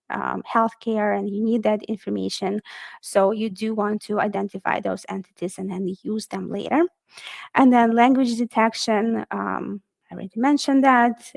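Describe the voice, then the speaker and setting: A woman's voice: mid-range voice, creaky, no room sound. A woman presenting a technical webinar in a casual, friendly way, with frequent fillers.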